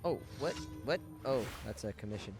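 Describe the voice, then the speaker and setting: A man streams a game with joking, playful asides in a casual way. His pitch jumps around in a very animated manner, with game music clearly behind him. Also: moderate pace. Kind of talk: casual play-along commentary with snatches of singing. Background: video game music and dialogue.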